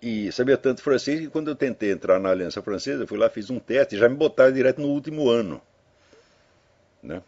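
Husky older man, rambling commentary. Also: mid-range voice, expressive, brisk, darkish tone. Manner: rambling, tag questions, anecdotal. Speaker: commentator addressing listeners. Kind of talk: casual spoken commentary. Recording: dull lo-fi audio.

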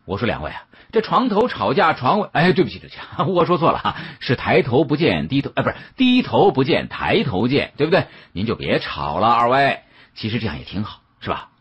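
Guy putting on a mouthy joker for an audiobook, husky voice, pitch jumping all over, teasing. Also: wildly swooping pitch, fairly quick, a bit bright, exaggerated voice. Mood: placating, flustered, then coaxing. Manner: chatty, colloquial, teasing and patter-like. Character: mouthy, needling Beijing man, glib wisecracking joker.

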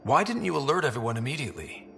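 An actor playing a level-headed expedition leader in a video game, direct and questioning with a wry edge. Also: male voice, medium pitch, very animated, racing, creaky, a bit bright, a little hiss or hum. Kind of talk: video game cutscene dialogue.

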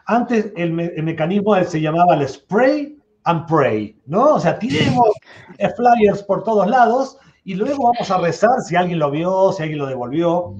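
Middle-aged expert, explanatory and lively, mellow higher voice, muffled video call. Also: male voice, measured pace, a little hiss or hum. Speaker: marketing expert, panel guest. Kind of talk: expert commentary on a webinar panel. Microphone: video call, laptop mic.

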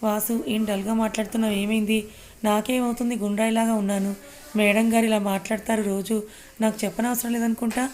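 A woman doing a worried, probing husband; flat storybook read. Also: a little high, fast talker, lightly acted.

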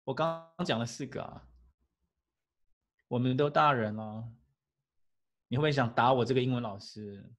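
A man, an English teacher giving a lively classroom lecture full of rhetorical questions and chuckles. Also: medium pitch, moderate pace, long pauses.

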